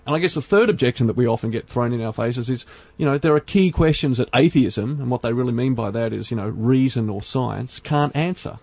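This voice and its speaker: A man hosting a podcast, speaking earnestly in measured phrases with frequent fillers. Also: mid-range voice, vocal fry, a little mellow, no room sound. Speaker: podcast host. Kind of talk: casual podcast discussion.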